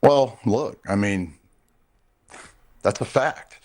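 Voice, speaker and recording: A man with a fairly low voice answers as a guest in a news interview. He speaks off the cuff as a union representative, explaining his points with firm emphasis and repeating phrases for stress. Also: drawn-out words, darkish tone.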